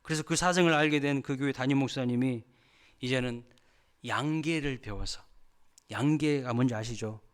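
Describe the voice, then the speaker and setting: A male pastor preaches in storytelling mode, with a voice of ordinary middle pitch. He turns often to ask the congregation questions as he tells the tale. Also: normal speed, smooth. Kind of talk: sermon.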